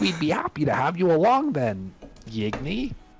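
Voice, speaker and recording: A man's put-on character voice, fairly high in pitch, with very wide pitch swings at a moderate pace. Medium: actual play. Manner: polite, earnest.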